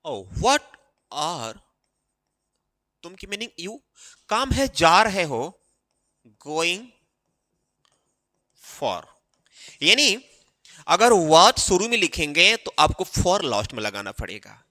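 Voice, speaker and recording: Man teaching grammar in a lively, bright voice. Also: high-pitched, long reverb tail. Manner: explains slowly, repeating phrases with many fillers. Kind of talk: Hindi-language grammar lesson while writing on a board.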